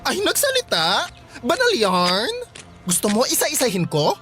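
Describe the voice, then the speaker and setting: A sharp-tongued gay teenage boy in a radio drama, pitched fairly high. The delivery is theatrical and sarcastic, wounded yet confrontational, over a soft music bed. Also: wildly swooping pitch, a little slow. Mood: sarcastic, furious. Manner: dramatic, sassy, taunting delivery with campy exclamations.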